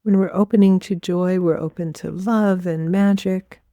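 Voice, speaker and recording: A woman leading a guided meditation as a teacher, giving gentle, unhurried instructions with pauses. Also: fairly low pitch, fairly even intonation, no room sound.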